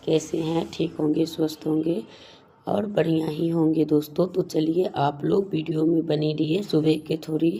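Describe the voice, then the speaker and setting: A woman with a slightly hoarse throat hosts a devotional advice talk, speaking to viewers as friends in a halting, repetitive way. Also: low-pitched, steady tone, dark tone. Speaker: YouTube channel host.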